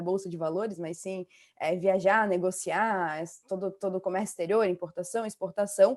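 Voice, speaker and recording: Speaking at a moderate pace, a woman keeps a medium pitch with ordinary pitch variation. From southern Brazil, Santa Catarina coast. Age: 20s. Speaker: exchange program advisor. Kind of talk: podcast interview. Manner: hesitant, many fillers.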